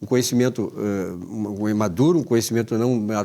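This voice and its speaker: This man's tone is dark and mellow. He speaks at a fairly quick pace. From Rio Grande do Sul, Brazil. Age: 70s. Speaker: TV show host. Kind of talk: talk show discussion.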